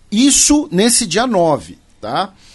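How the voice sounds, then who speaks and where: Backed by music, this man's voice swings through a very wide pitch range. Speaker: podcast host, international politics commentator. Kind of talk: news commentary. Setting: studio recording late at night. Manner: frequent fillers like tá and né.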